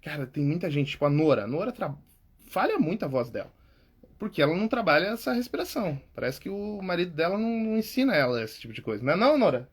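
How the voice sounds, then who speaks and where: A man's voice: on the high side, big pitch swings, fast talker, husky. A Brazilian man, a public speaking coach and podcast host, giving tips in a casual, informal way, often checking in with "tá?" and "cara". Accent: Brazilian Portuguese.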